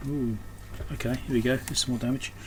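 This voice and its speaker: A man's voice: medium pitch, steady tone, a little fast. Man thinking aloud, noisy background. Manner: unscripted, thinking aloud, trailing off mid-thought. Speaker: electronics repairer and video host. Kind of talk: casual hands-on repair commentary. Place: indoors at a repair workbench. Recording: clear background noise, room ambience.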